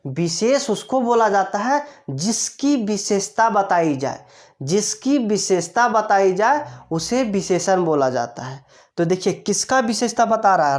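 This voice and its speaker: A woman grammar teacher explaining step by step, asking rhetorical questions and answering them herself, repeating each key term. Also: mid-range voice. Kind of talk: classroom-style explanation.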